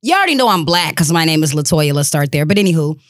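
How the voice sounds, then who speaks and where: Casual podcast co-host: woman, African American accent, lowish voice, blunt slangy delivery, close dry sound. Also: fairly even intonation, fast, no room sound. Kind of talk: casual chat.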